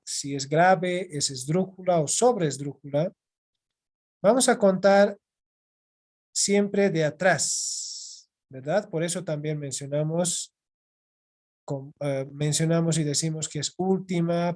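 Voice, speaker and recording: A patient teacher from Bolivia lectures an online class through a video call microphone, in a middle-pitched voice with a darkish tone. Key points come back again and again, each followed by a quick check-in.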